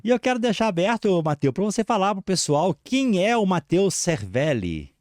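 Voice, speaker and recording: A man's voice: high-pitched, big pitch swings, normal speed, darkish tone, no room sound, clean studio sound. A man with a Brazilian accent hosting a live online show, giving announcements and introducing a guest.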